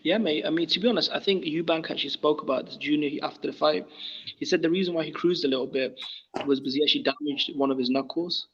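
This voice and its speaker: Fast-talking man on a muffled line. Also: on the high side, a bit bright, breathy edge. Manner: fluent, enthusiastic, many fillers like you know. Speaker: boxing talk guest. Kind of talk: casual boxing analysis.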